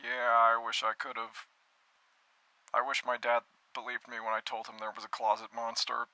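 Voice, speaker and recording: A man performs an earnest, naive young man for a cartoon spoof. His voice is strikingly bright and cutting, recorded very dry. He talks in a hesitant, self-pitying, brooding way, as in an everyday conversation. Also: medium pitch, monotone, moderate pace, no echo, poor audio. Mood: gloomy.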